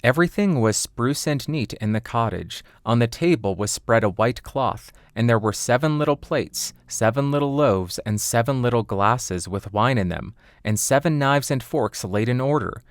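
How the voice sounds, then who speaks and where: A man's voice: medium pitch, lively intonation, moderate pace, hardly any pauses, no room sound, studio quality. A man reading a scripted fairy tale as an audiobook narrator.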